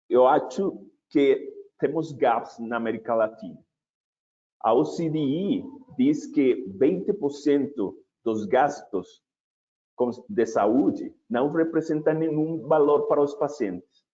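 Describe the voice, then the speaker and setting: A man opening and presenting a webinar in a measured, deliberate way, with occasional restarts. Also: medium pitch, lively intonation, mellow, highs cut off.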